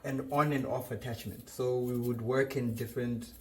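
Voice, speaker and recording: A man's voice: mid-range voice, normal speed, a little hiss or hum. A young man from Zimbabwe, a chef telling his story in a casual interview, joking and restarting his sentences. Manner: relaxed, joking, restarts often.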